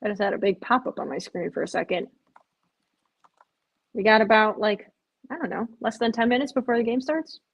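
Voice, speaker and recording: Sleepy woman streamer rambling to chat, kinda husky voice. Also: fairly high pitch, brisk, long pauses, lo-fi sound. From Chicago area. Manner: tired, rambling, chatting with viewers. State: drowsy, yawning. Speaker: live stream host. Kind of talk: casual live stream chat.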